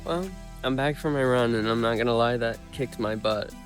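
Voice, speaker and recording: Man, congested nose, casual rambling vlog talk, mid-pitched voice, faint music behind. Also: moderate pace. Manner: rambling, full of ums and likes. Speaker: running vlogger.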